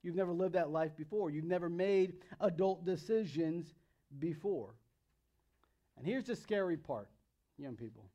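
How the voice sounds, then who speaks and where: Preaching to young people, an American pastor in his thirties speaks in a warm, fairly high, animated voice, a little slowly, repeating phrases to drive points home in a conversational, emphatic style. The audio sounds lo-fi.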